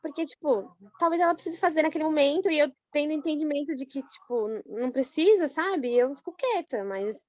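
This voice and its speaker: Chatty Brazilian woman, high voice. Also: a little fast, hardly any pauses, dry recording. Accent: Brazilian Portuguese. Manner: chatty, animated storytelling with many fillers. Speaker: study group participant. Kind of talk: casual personal account.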